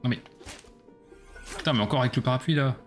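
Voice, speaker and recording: A man's voice: mid-range voice, fast, soft background music. A man casually commenting on his own gameplay during a live stream, chatty and self-mocking as he talks to his chat.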